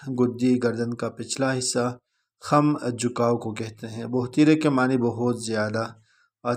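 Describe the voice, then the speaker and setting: A male teacher calmly explaining word meanings in a vocabulary lesson, pausing often with "uh". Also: medium pitch. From Pakistan. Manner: measured, deliberate delivery with frequent "uh" pauses.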